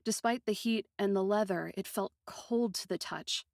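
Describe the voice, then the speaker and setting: A woman narrating a first-person fantasy story in an expressive, literary manner with deliberate phrasing. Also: mid-range voice, gravelly, no echo, studio quality.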